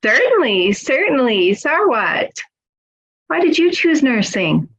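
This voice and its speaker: A woman's voice: high voice, sing-song, slow pace, fairly bright tone, breathy edge, muffled recording. A woman moderating an online student panel in a friendly, encouraging way. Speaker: webinar moderator.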